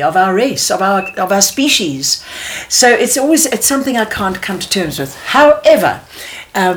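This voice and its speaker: A middle-aged woman with a South African accent, answering an interview question in an earnest, passionate way with frequent restarts. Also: mid-range voice. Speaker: theatre producer.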